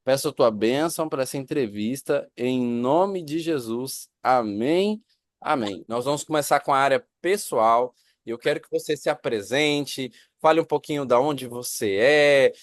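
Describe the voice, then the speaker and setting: A man, a pastor, who hosts a church interview, asking quick, upbeat questions and leading a prayer. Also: mid-range voice, dry recording, clean studio sound. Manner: upbeat, rapid questions with affirmations.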